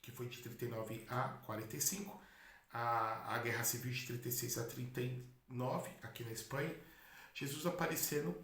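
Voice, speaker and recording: A man's voice: mid-range voice, fairly even intonation, moderate pace, fairly bright tone. A man, a Catholic priest, preaching a sermon in a chatty storytelling manner with asides. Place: in Spain. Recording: echoey room with faint noise.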